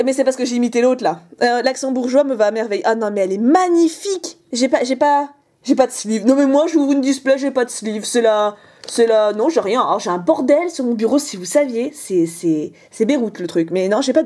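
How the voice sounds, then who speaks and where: A young woman hosting a casual, excited card-opening video, chatty and jokey. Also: high-pitched. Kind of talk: excited casual unboxing commentary.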